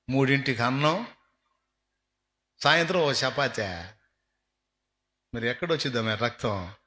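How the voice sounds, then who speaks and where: Emphatic bright-voiced male pastor preaching. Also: on the high side. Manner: emphatic, acts out everyday dialogues. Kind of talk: sermon. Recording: echoey reverberant hall.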